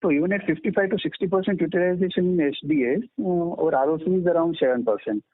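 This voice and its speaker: A man's voice: on the high side, fast, dry recording. A man with an Indian accent calling in as an individual investor, asking methodical, polite questions on an earnings call. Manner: polite, methodical, checks his reasoning. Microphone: phone call. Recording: dry, thin phone-line sound.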